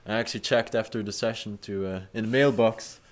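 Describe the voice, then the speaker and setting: Young guy host, lowish voice, rambly, lots of uh and um. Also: steady tone, brisk. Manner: rambling, many fillers and restarts, casual swearing. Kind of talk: improvised casual commentary.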